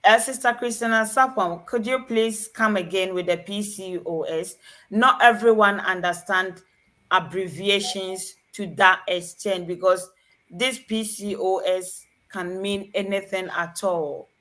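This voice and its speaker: A woman hosting a live-streamed health talk, with a voice of medium pitch. She leads the panel in a friendly, coaxing way and reads out viewers' questions. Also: steady tone, measured pace, pushed and bright. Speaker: host.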